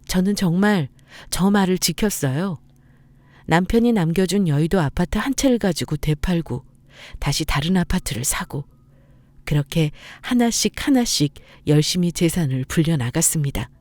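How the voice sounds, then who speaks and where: A woman's voice: on the low side, a little mellow, no room sound. A middle-aged woman telling her own story as scripted narration, earnest and determined.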